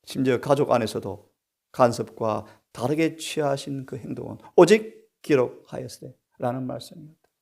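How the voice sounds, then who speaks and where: A middle-aged man preaches a sermon in a gravelly voice at an ordinary mid pitch. He keeps asking his congregation rhetorical questions. His delivery moves between hushed phrases and sudden loud, emphatic bursts. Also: moderate pace. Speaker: pastor.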